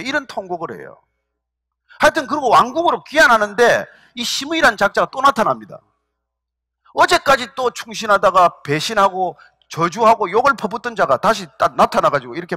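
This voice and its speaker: High, lively male pastor preaching. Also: no room sound, studio quality. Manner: animated storytelling, acting out quoted speech. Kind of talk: sermon.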